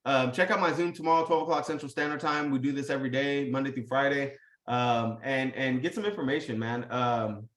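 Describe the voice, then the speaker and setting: A man hosts a live video call in an echoey room, hyped and casual, motivating his audience with heavy slang, swearing and fillers. His mid-range voice is brisk and fairly bright.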